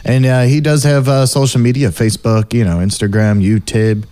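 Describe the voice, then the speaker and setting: A man's voice: mid-range voice, little pitch movement, moderate pace, warm tone, dry recording, studio quality. A man hosting a podcast, talking in a casual, rambling way with many fillers. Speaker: podcast host.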